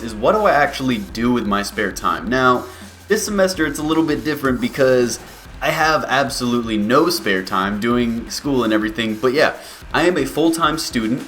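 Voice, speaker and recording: A man of about twenty, a YouTuber answering viewer questions in a relaxed, rambling way with many fillers. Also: mid-range voice. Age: 20s. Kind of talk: casual Q&A vlog.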